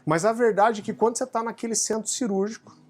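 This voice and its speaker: A man's voice: high-pitched, fairly even intonation, quick pace. A Brazilian man preaching, who tells a personal story with humor and animation in a home setting. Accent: Brazilian Portuguese. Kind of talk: sermon testimony. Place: home living room. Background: faint guitar music.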